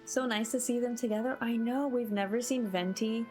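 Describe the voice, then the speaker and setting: Chatty, higher-pitched woman streaming a game. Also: normal speed, a little mellow. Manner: gushing, friendly to viewers. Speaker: game livestreamer. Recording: game music behind the voice.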